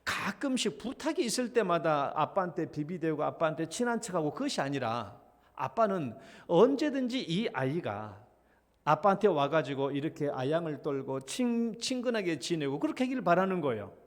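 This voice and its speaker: Korean pastor preaching in a reverberant church. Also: male voice, fairly high pitch, sing-song, normal speed. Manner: storytelling, acts out his child's pleading and his own feigned reluctance. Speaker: senior pastor. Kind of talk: sermon. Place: church sanctuary.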